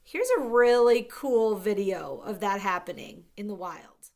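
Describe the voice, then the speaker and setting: A woman teaching an early-grade reading lesson, sounding out words slowly and clearly with an upbeat, encouraging manner. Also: medium pitch, darkish tone.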